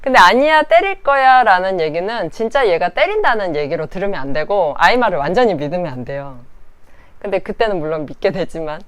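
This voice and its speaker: A woman's voice: lowish voice, smooth. A woman in her thirties, a parenting counselor, giving casual advice and acting out little scenes between mother and child. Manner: lively, acts out child and mother voices.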